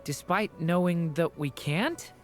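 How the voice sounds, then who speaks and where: An actor voicing an earnest, hopeful young mage with abyssal power in a game. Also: male voice, fairly high pitch, slow. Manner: earnest, hesitant questions. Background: game music.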